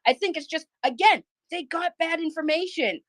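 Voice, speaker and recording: Blunt high-pitched lady youtuber, swears a lot, dry close call audio. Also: lively intonation, a bit bright, no room sound. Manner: blunt, swears freely, quick restarts. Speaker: drama YouTuber. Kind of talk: casual heated chat.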